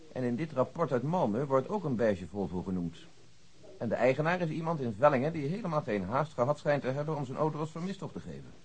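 An actor playing a dry, methodical police detective in a radio play, pedantic and deadpan. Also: male voice, mid-range voice, husky. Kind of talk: radio play acting in Dutch.

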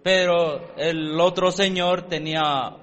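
High-voiced man interpreting a sermon. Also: steady tone, a bit bright. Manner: quick, hesitant, with fillers.

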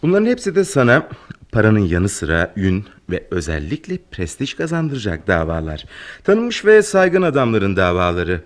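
A man's voice: on the low side, huge pitch swings, moderate pace. A man acting a controlling, ambitious lawyer fiancé, self-assured and emphatic, in old-style radio theatre. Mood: pleased, assured.

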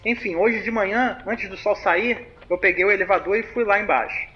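A man's voice: high-pitched, moderate pace, close to an everyday voice. An actor playing a young man, casually telling a spooky story over a phone call in slangy talk. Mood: chatty. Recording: muffled phone-call recording, faint hiss.

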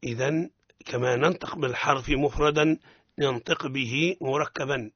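Tunisian man, radio recitation teacher, corrective, slow syllable demos, dull dry studio sound. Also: medium pitch, a bit bright, husky, no room sound. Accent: Tunisian Arabic. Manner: corrective, demonstrates syllables slowly and repeatedly. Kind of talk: radio Quran recitation lesson.

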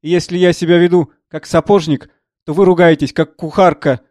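Male reader doing a scornful bully of a financier, slightly high voice, dry close read. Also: little pitch movement, a little fast, a little mellow, no room sound, lightly acted. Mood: contemptuous. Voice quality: sneering, scornful. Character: rude domineering middle-aged man, blustering financier.

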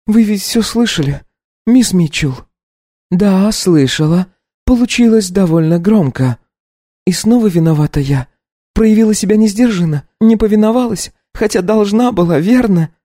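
A man voicing a defiant young countess and mother, speaking in a shrill, pleading way. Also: expressive, moderate pace, warm tone, no room sound, clean studio sound, close to an everyday voice. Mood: hollow bitter.

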